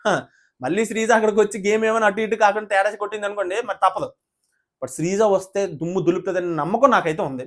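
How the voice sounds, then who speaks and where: A male video reviewer who rants with indignation and calls his viewers "brother". He talks very fast in a high voice and piles up rhetorical questions. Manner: indignant, rapid ranting, addresses viewers as brother. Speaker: YouTube reviewer of a reality show. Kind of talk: opinionated video review monologue.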